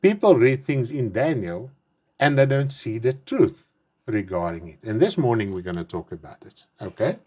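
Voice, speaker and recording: A middle-aged man with an Afrikaans accent delivers an earnest online sermon in English, his first language being Afrikaans. His pitch swings widely, climbing on emphatic words and sinking at the ends of phrases. His mouth is dry, and he rephrases and repeats as he goes. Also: very animated, moderate pace, a little mellow, highs cut off. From South Africa. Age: 50s. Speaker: pastor.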